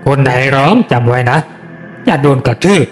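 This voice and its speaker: A man's voice: mid-range voice, fairly even intonation, moderate pace, soft background music, close to an everyday voice. A man voicing a vengeful, ruthless male gang boss who snarls coarse threats. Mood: menacing.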